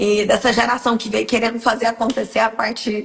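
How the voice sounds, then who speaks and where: A woman's moderately paced speech amid noticeable background noise. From Brazil, Goiânia (Goiás). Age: 20s. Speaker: entrepreneur, fashion brand founder. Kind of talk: interview on a live stream.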